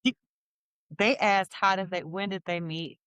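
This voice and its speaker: A woman's voice: medium pitch, steady tone, a little slow, a bit bright, smooth, no room sound. A woman co-hosting a casual chat show, retelling gossip in a chatty way and laughing often. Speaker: podcast co-host.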